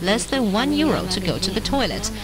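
A woman hosting a radio talk show in a lively, newsy manner. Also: medium pitch, fairly quick, rough recording.

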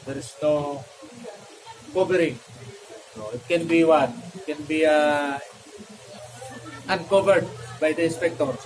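A middle-aged man giving a slow classroom lecture, posing questions and pausing with fillers. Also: a little high, noisy background. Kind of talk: classroom lecture on plumbing code. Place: classroom with a whiteboard.

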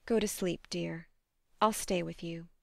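A woman reading a storybook, voicing a blunt, spirited young woman who talks briskly. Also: lowish voice, fairly even intonation, creaky, dry recording, studio quality. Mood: tender. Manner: brisk, scolding, then tender.

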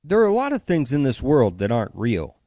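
A man's voice: medium pitch, huge pitch swings, a little fast, warm tone, no room sound, studio quality. A middle-aged man reading scripted commercial narration in a polished, earnest way with emphatic phrasing. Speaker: voice-over artist.

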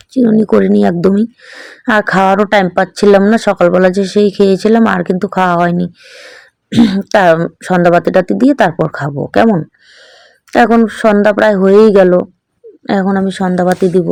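A middle-aged woman with an East Bengal Bangal accent talks her viewers through her day in an easy, chatty vlog. Her voice is smooth and clear. The sound is close and dry, with no room echo. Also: medium pitch, a little mellow. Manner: chatty, keeps checking in with tag questions. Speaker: vlogger. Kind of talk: casual home vlog narration.

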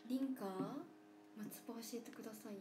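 A woman in her twenties hosting a casual livestream, speaking softly and often dropping to a near whisper, with playful drawn-out thank-yous to viewers. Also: a little high, steady tone. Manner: soft-spoken, often drops to a near whisper. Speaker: idol livestream host. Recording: roomy room with faint hum.

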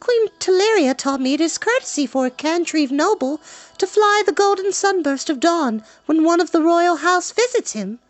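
Prim young storybook princess, high voice swooping around, politely questioning everything. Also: male voice, expressive, moderate pace. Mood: puzzled. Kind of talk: storybook read-aloud with character voices.

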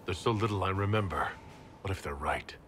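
An actor playing a huge, sober horned warrior leader in a fantasy game, speaking in a measured way. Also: male voice, low voice, a little hiss or hum. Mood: pensive. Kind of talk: fantasy video game acting. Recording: loud game ambience behind.

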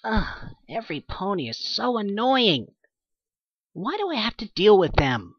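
Man putting on a petulant young-male pony brat, animated intonation, easily annoyed, whiny, game character, dry dull recording. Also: high-pitched, unhurried, slightly rough, no room sound, heavily acted. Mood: sulky, whiny. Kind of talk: game character audition lines.

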